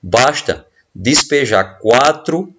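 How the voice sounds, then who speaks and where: A man's voice: medium pitch, animated, very slow, a bit bright, slight background noise. A man with a Brazilian Portuguese accent, a teacher walking students through riddles patiently, often checking they follow along. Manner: patient, explanatory, frequent tag questions. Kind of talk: recorded lesson explaining riddles. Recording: dull lo-fi audio.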